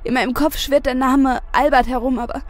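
A woman's voice: high voice, fairly even intonation, brisk, natural voice. A woman playing a blunt, troubled young female soldier in an audio drama. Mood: confused, earnest. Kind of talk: German audio drama acting.

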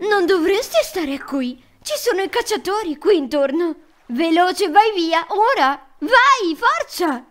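Shrill, alarmed goose, voiced by a woman. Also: expressive, slow, fairly bright tone, faint music behind, heavily acted. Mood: urgent, alarmed. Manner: urgent, shrill. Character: alarmed goose urgently warning the duckling away. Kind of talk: children's cartoon fairy tale.

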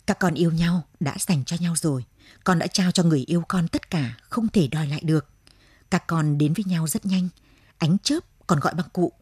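A woman's voice: low voice, fairly quick, husky, no echo, clean studio sound. A woman reading as a coaxing young student daughter. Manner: coaxing, gently playful.

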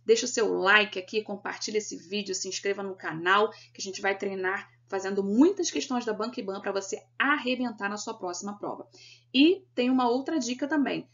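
A woman's voice: medium pitch, moderate pace, a bit bright, dull audio. A Brazilian Portuguese-speaking woman teaching an exam-prep grammar lesson, explaining step by step and checking in with her students. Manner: didactic, checks in with "né?" and "beleza?". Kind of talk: recorded video lesson.

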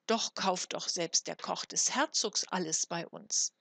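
A woman's voice: fairly low pitch, moderate pace, bright, forceful tone, no echo. A woman reading aloud, voicing a bold little boy who scolds in an upset way. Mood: scolding. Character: small indignant boy, bold.

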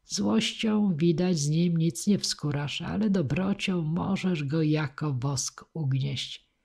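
Sage older knight, read by a woman, husky voice. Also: sits low, slow, warm tone, heavily acted. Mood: wry.

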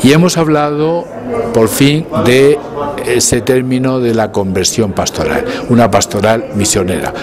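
Indoors in front of a painted mural, a Bolivian priest in his fifties holds a recorder close and gives an earnest, emphatic summary of a talk, sometimes restarting phrases. His medium-pitched voice is unhurried, with crowd noise around him.

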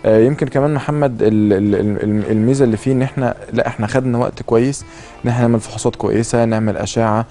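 Rapid, mellow Egyptian Arabic male doctor. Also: medium pitch, fairly even intonation, soft background music. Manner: drops English terms into Arabic. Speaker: doctor, expert guest. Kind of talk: explanatory interview talk. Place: TV studio, seated. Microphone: lapel mic.

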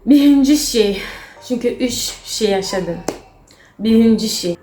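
Young female vlogger, Cameroonian accent, halting broken Turkish of a foreign learner, roomy echo. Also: fairly high pitch, expressive, mellow. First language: not Turkish, a foreign learner. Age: young adult. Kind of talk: casual storytelling to camera. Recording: roomy echo, faint music.

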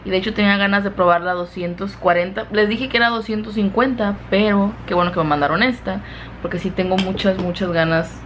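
Speaking a little fast with fairly even intonation and a fairly bright tone, this beauty vlogger has a medium-pitched voice. She rambles sleepily to a handheld camera around her home, both inside and out in the yard, over a little hiss or hum.

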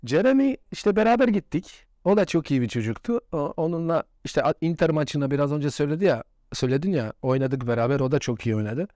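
A man's voice: on the high side, lively intonation, quick pace, few pauses, dark tone, no echo, studio quality. A former footballer in his forties, a man, telling stories in a casual interview and laughing often. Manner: chatty anecdotes with frequent laughs.

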